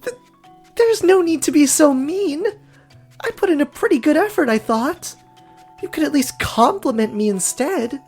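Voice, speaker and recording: A woman's voice: sits high, lively intonation, normal speed, a little mellow, faint music behind. A woman voicing an earnest young foreign woman in a story game, chatty, easily flustered and prone to stammering. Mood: flustered, indignant. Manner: stammering, indignant when teased. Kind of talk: dramatic character voice reading of a story game.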